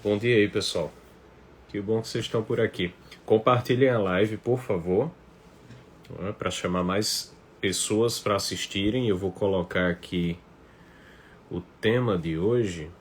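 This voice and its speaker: A teacher from Paraíba, northeastern Brazil, hosts a live online class, chatting informally with his livestream viewers in a fairly low voice and regional accent. He speaks unhurriedly and often adds little tag questions. His phone sits on a stand, and the recording picks up some background noise.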